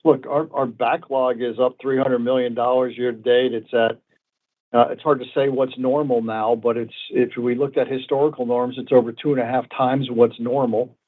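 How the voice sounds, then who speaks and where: A man's voice: medium pitch, little pitch movement, moderate pace. Confident male executive on a phone line. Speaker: company executive answering analysts. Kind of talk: earnings call answers. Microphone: phone conference call. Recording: tinny narrowband phone conference line.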